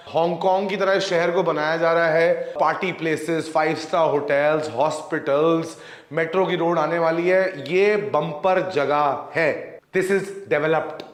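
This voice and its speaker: A man's voice: a little high, roomy sound. A man in his thirties, a real estate agent with an Indian accent, giving a casual, jokey sales talk that mixes Hindi and English.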